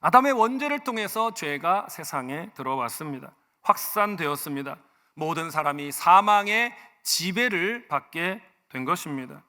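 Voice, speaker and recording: A man preaching in a church sanctuary, his slightly high voice bright and forceful. He talks conversationally, telling personal stories and swinging from hushed asides to loud, emphatic lines. A long church reverb trails behind every phrase. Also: expressive, normal speed. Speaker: senior pastor. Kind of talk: sermon.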